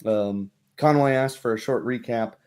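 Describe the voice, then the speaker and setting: A tired man chatting casually as game master and host of a livestreamed tabletop game, giving a recap in a halting way. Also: mid-range voice, darkish tone, clear, resonant tone.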